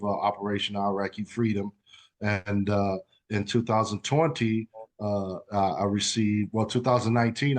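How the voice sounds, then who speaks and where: A man in his forties who grew up in Okinawa and Savannah, a retired soldier turned author. His voice is low and level, with little rise and fall. He talks plainly, filling gaps with uhs and "you know". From Okinawa, Japan and Savannah, Georgia. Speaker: author, retired Army veteran. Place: radio studio.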